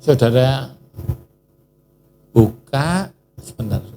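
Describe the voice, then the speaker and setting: A man preaching to a congregation at a middle pitch. He talks in a lively, questioning way, drawing answers from the listeners. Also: extremely slow. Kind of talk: sermon.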